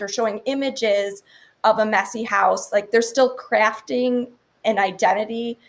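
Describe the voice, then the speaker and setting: Woman early 40s, lots of vocal fry, thoughtful, says "you know" a lot. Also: medium pitch. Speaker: podcast guest, researcher. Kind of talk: casual podcast conversation.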